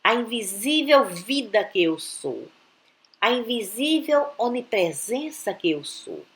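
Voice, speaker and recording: A woman giving a calm, deliberate reading of a spiritual text, with long pauses between phrases. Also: on the high side. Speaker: reader of spiritual teachings.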